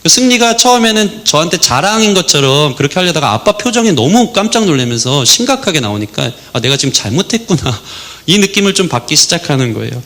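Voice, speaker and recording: Man, 30s, pastor, sermon, earnest storytelling, slightly high pitch, rises for emphasis. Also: very animated, quick pace, few pauses, a bit bright. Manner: earnest storytelling, rises sharply in pitch when stressing a point. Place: church sanctuary.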